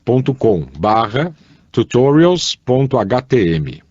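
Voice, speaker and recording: A man co-hosting a casual radio chat show, slowly spelling things out and telling light jokes. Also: mid-range voice, sing-song, a little mellow, no room sound. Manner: slow, careful spelling out of web addresses, joking. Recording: dull, dry studio sound.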